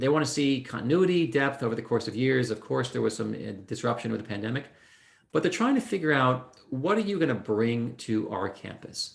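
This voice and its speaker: A man speaking at a fairly quick pace. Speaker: college admissions consultant. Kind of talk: webinar presentation. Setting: video call. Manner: fast.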